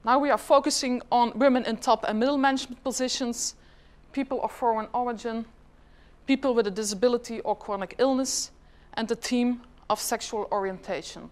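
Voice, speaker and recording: A woman's voice: a little high, brisk. A middle-aged Flemish woman whose first language is Dutch, giving a chatty conference presentation and asking the audience questions. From Flanders, Belgium. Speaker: government department head giving a presentation.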